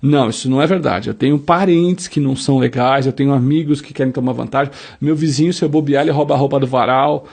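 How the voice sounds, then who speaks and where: A man's voice: medium pitch, quick pace, vocal fry, few pauses, darkish tone, slightly rough. A man leads a self-help quiz, reading each statement and acting out sample answers in the first person. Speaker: motivational speaker.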